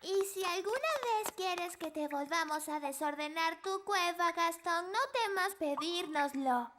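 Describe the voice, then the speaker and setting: A woman's voice: extremely high pitch, unhurried, background noise. A woman voicing a cheerful, curious little fairy princess girl in a children's cartoon dub, with a Latin American Spanish accent. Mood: excited. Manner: childlike, giggly, exclaiming.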